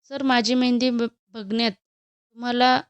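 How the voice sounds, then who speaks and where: A woman's voice: on the high side, steady tone, unhurried, clean tone, no room sound, muffled recording, close to an everyday voice. A woman voicing a nervous, flustered young female employee in a storybook, speaking hesitantly and stammering.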